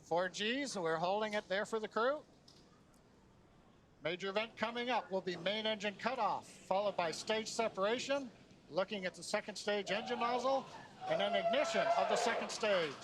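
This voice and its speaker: High, bright-voiced man commentating live. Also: normal speed. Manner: explanatory, technical narration. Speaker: launch webcast commentator. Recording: some background noise and crowd.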